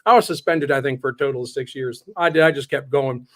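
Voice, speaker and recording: A man's voice: medium pitch, quick pace. A man hosting a casual live interview, asking questions and telling upbeat stories of his own. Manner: upbeat, animated storyteller. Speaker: host.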